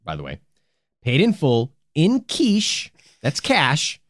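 Male co-host, animated storyteller with casual jokes, lively pitch, dry close sound. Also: slow pace, no room sound. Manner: animated, jokey, swears casually. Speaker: podcast co-host. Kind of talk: true crime podcast chat.

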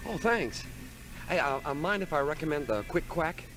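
Animated, eager American kid. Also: male voice, a little high, moderate pace, low-quality recording. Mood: eager, friendly. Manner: chirpy, guileless, eager to please. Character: eager, friendly young male parking attendant, a kid. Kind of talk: 1940s radio drama dialogue. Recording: old radio broadcast with music behind.

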